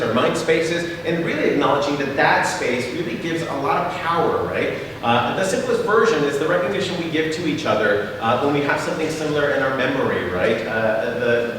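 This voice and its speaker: A man's voice: a little high, fairly bright tone. A middle-aged man, native Spanish speaker from Mexico, presenting his theater company with slides, full of "uh"s and rhetorical "right?". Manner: many filler sounds, frequent rhetorical "right?". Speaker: theater company artistic director giving a talk. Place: large echoing hall. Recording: echoey hall, voice from far off, faint noise.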